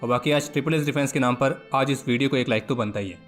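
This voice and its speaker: A man hosting a defence news roundup, reading scripted updates in a brisk, steady delivery. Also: mid-range voice, faint music behind.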